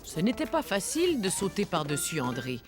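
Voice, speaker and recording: A woman playing the gentle narrator of a French children's cartoon, telling the story in scripted storybook style. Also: fairly low pitch, wildly swooping pitch, moderate pace. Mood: gentle storytelling. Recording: music behind the voice.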